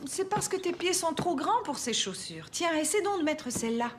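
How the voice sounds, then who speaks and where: High-voiced, lively cartoon mom. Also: female voice, moderate pace, slight background noise. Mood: reassuring. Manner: reassuring, coaxing. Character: kind, patient mother of small children. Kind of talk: animated children's cartoon dub. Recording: loud music behind the voice.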